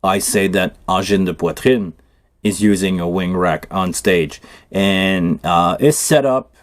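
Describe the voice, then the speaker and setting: French-Canadian man, low, very dry sound. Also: measured pace, no room sound. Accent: Quebec French. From Quebec. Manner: loose, rambling, thinking aloud while working. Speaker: live stream host. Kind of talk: casual tech livestream chat.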